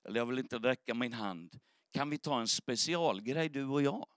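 A man voicing a troubled male airline pilot who is searching for God, speaking in halting, pleading phrases. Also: medium pitch, lively intonation, a bit bright, dry recording, clean studio sound, voice pushed down, close to an everyday voice. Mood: hesitant.

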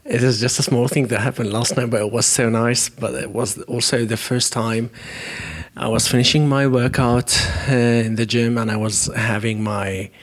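A man from Syria, a guest telling a personal story in a halting, friendly way. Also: medium pitch, level tone.

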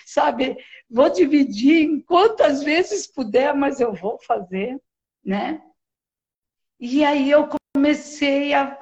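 A middle-aged woman tells her own story in a conversation, her slightly high voice stopping and restarting as she checks in with little tag questions. The sound is muffled and lo-fi. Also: darkish tone. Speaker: mentoring client sharing her story. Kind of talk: personal testimony in conversation.

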